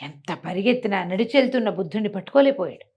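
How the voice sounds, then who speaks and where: A woman telling moral tales aloud in an animated, conversational way, explaining as she goes and acting out dialogue. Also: medium pitch, quick pace, highs cut off. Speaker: storyteller.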